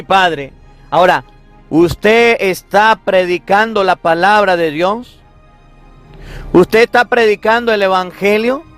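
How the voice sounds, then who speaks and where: A man's voice: high voice, fairly bright tone. A man in his thirties preaching as a Catholic priest, emphatic and repetitive, driving his points home with rhetorical questions. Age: 30s. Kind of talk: sermon on the Gospel.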